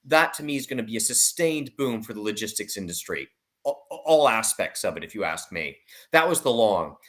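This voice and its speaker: A man's voice: on the low side, big pitch swings, normal speed, a bit bright. Emphatic man giving market commentary. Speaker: investment analyst guest. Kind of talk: market commentary in an online discussion.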